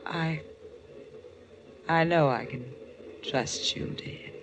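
A woman's voice: deep voice, extremely slow. Cool mysterious young woman, coy clipped delivery, guarded, 1940s radio drama, faintly noisy old recording. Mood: anxious, confiding. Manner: clipped, coy, dry replies.

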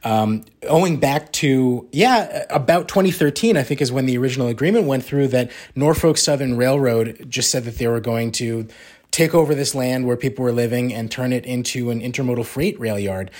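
Male podcast co-host, conversational and unhurried, mid pitch. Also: a little mellow. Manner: conversational, frequent ums and asides. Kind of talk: casual news discussion.

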